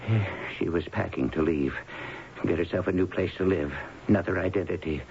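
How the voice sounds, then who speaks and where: An actor playing a worried older father in a radio drama, fretful, halting and consoling. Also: low voice, vocal fry, a little mellow. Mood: weary distress. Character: worried, soothing, flustered father of grown daughter. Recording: hissy, dull vintage radio broadcast.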